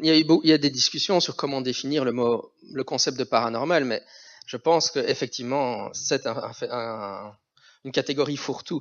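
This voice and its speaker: A man with a fairly high pitch speaks at a very slow pace, with ordinary pitch variation. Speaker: psychologist and skeptic podcast host. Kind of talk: live public talk interview.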